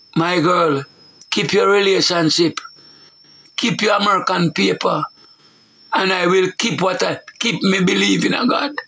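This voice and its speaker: Against noticeable background noise, a man speaks in a raised, projected voice that is high in pitch and very even in loudness. He leaves long, frequent pauses. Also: ordinary pitch variation. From Jamaica. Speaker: street preacher and talk show personality. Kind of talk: preaching talk show monologue. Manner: animated.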